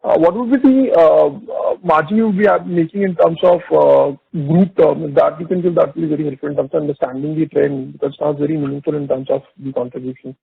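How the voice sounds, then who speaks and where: A gravelly, husky man phones in as an analyst. He puts his questions in a halting, wordy way over a tinny telephone line. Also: a little high, fairly even intonation, no room sound. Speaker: analyst caller. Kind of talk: asking questions on earnings call.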